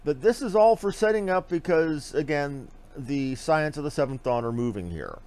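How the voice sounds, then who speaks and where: A man's voice: on the high side, animated, normal speed, a little mellow. A man giving casual gameplay commentary as a streamer, with crude, salty asides. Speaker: game streamer.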